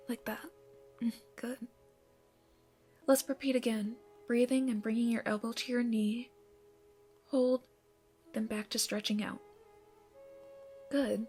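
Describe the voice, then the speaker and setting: A woman playing a gentle, encouraging yoga instructor in an ASMR roleplay, giving soothing, breathy instructions that often soften toward a whisper. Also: on the high side. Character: gentle, encouraging female yoga instructor leading a morning class.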